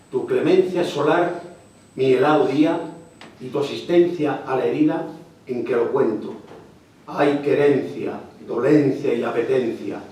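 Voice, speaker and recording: A man reading a sonnet aloud in a measured, steady way at a public reading. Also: medium pitch. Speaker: poetry reader. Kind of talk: poetry recitation. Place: lecture hall. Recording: echoey hall, mic far off.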